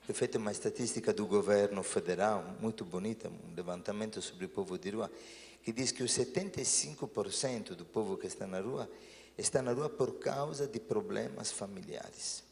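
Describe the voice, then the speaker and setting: A priest telling stories and reflecting earnestly in a talk show conversation. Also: male voice, fairly low pitch, moderate pace, gravelly, a little mellow, big-room sound.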